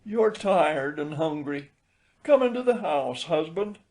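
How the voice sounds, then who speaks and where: A man voicing a long-suffering country wife in a story, gently and slowly chiding her husband. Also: on the high side, animated, voice pushed up. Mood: tender.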